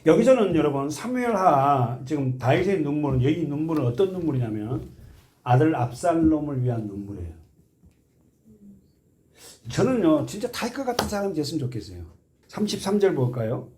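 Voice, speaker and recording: A male pastor delivers a Sunday sermon in a high, restless voice that leaps all over its range. He questions the congregation, leads them in reading aloud, and moves between hushed, intimate asides and loud, emphatic appeals. Casual, folksy remarks break in between the scripture points. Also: sing-song, a little fast. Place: church sanctuary.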